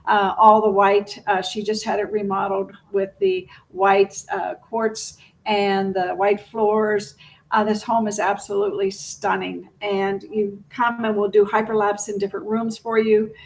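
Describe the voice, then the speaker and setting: A woman's voice: mid-range voice, level tone, measured pace, low-quality recording. A woman presenting a casual unscripted video as a real estate agent, chatty, rambling and self-deprecating.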